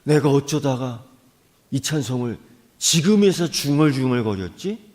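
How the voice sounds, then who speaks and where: A man's voice: mid-range voice, expressive, a little slow, a little mellow, pitched below the performer's own voice, lightly acted. A man voicing a remorseful sixty-five-year-old man who mutters and sighs as he prays alone. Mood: regretful. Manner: muttering, sighing "aigo".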